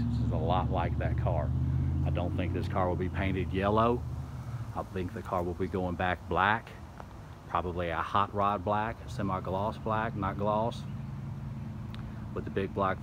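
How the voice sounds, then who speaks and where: A man casually narrating a walkaround video outdoors beside a house, rambling and restarting as he goes. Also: sits low. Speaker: car video host. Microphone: handheld camera, speaker off screen. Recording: outdoor video with clear background noise.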